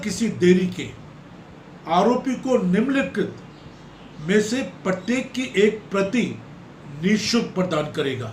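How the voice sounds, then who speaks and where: With a non-native accent, a man with a high voice and ordinary pitch variation speaks amid noticeable background noise and audible room echo. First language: not Hindi (speaking Hindi). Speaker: lawyer. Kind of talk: legal explainer video.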